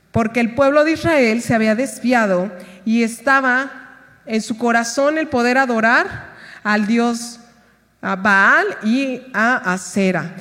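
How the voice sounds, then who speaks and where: A woman's voice: a little high, a bit bright. Woman pastor preaching in a reverberant hall. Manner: storytelling, acting out scripture voices. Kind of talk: sermon.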